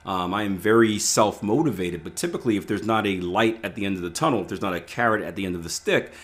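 Hoarse, low-voiced man podcasting. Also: quick pace. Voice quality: raspy. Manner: casual, rambling, many fillers and restarts. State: hoarse from yelling. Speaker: podcast host, trading coach. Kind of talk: unscripted solo podcast talk.

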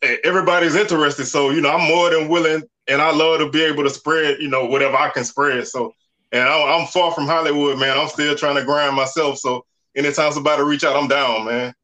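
A man in his forties with a drawl, chatting loosely about college football. His voice sits a touch high and sounds bright and forceful. He leans on easy fillers like "you know" and "man.". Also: fairly quick. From Southern United States. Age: 40s. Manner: relaxed, conversational, lots of "you know" and "man". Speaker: podcast guest. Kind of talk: casual sports talk.

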